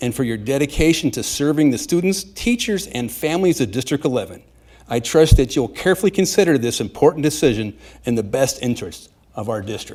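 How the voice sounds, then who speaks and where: Very wide pitch swings mark this man's fairly high voice as he talks at a fairly quick pace. The recording is very clean, with a silent background. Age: 60s. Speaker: public commenter at school board meeting. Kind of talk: public comment speech. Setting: school board meeting.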